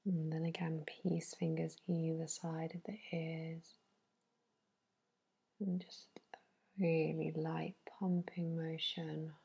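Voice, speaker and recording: A woman whispers a bedtime ASMR massage in a soft, dark, breathy voice. She speaks very slowly and soothingly, keeping her delivery even and hushed as she guides each step. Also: low-pitched. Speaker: facial massage therapist.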